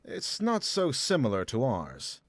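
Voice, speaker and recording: A man's voice: medium pitch, wildly swooping pitch, measured pace, no room sound, studio quality, heavily acted. A male actor playing a talkative, easygoing travelling companion in a fantasy game. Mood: friendly, chatty.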